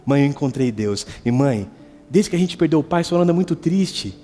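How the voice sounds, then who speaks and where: A man voicing an eager, excited young boy with a high, pleading voice. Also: fast talker. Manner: breathless, pleading, high and loud. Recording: reverberant church hall, faint guitar.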